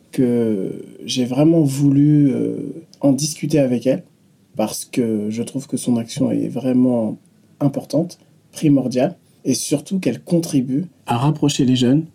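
A man's voice: mid-range voice, mellow, breathy edge. A man hosting a podcast, reading a scripted intro and then chatting casually with a guest. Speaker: podcast host. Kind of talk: podcast interview.

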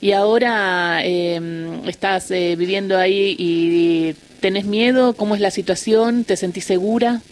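A woman's voice: mid-range voice, steady tone, unhurried, hardly any pauses. A woman with an Argentine Spanish accent, co-hosting a radio interview and asking casual, hesitant questions. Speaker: radio co-host.

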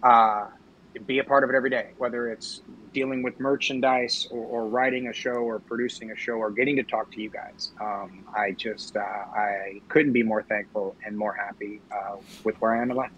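A man's voice: fairly low pitch, moderate pace, lo-fi sound, a little hiss or hum. A man in his forties, a podcast guest, talking in an upbeat, grateful way and telling stories with energy. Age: 40s. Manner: upbeat, grateful, animated storytelling. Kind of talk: casual podcast chat.

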